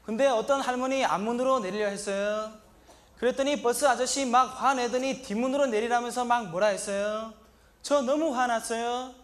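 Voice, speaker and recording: A naive, earnest young migrant worker with a Sri Lankan accent and a strikingly high voice. He talks in short, broken sentences in a comedy monologue and breaks into a shouted, indignant catchphrase. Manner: broken, simple Korean sentences.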